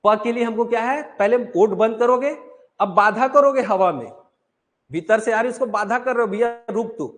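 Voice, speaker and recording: High-voiced male coaching teacher. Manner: explains slowly, asks and answers his own questions. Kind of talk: online class lecture.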